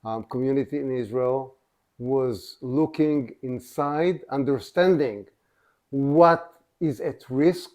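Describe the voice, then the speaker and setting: Measured man speaking on a panel. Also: a little high, darkish tone. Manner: measured, restarts sentences, many fillers. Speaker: co-director of a civil society organization. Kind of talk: panel discussion.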